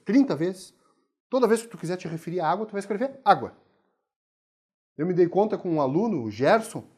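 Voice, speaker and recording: A man's voice: high-pitched, a little mellow. A man teaching a video writing lesson. He talks emphatically and keeps asking rhetorical questions and answering them himself.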